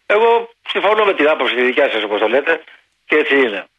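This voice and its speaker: A man's voice: medium pitch, husky. A man calling in to a radio show, talking emphatically and animatedly. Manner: emphatic, animated, addresses rival fans directly. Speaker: caller. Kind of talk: call-in radio talk. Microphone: telephone line. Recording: dull phone-line call.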